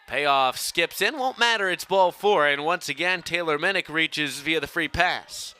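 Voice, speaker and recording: A man's voice: fairly high pitch, unhurried, sharp tone, smooth. A young man calling live sports play-by-play in a projected voice that rises for big plays. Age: young adult. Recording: faint ambient outdoor noise behind.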